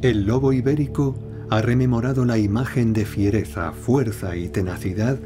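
A man reads scripted nature documentary narration in a measured, dramatic storytelling way. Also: mid-range voice. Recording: studio voice-over over prominent music. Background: music, animal sounds.

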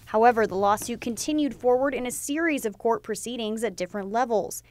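A young adult woman reporting the news in a measured, steady way from a TV studio. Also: on the high side, background noise.

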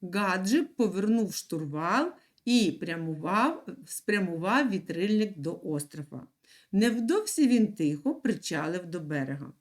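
A woman teaching young children in an online lesson, speaking slowly and clearly and repeating words for them to write down. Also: lowish voice, very animated. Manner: patient, slow and clear, repeats words for dictation. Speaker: primary school teacher.

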